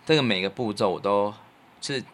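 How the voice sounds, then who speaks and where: A man's voice: fairly low pitch, moderate pace, a bit bright. A man with a Taiwanese Mandarin accent, co-hosting a podcast in a casual, reflective chat. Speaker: podcast co-host and radio producer.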